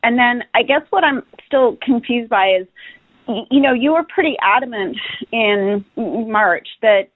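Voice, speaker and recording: A woman's voice: a little high, lively intonation, unhurried, no echo. A woman speaking as a financial analyst, putting several questions on an earnings call with hesitant, restarted phrasing. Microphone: phone. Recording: dry, tinny telephone line.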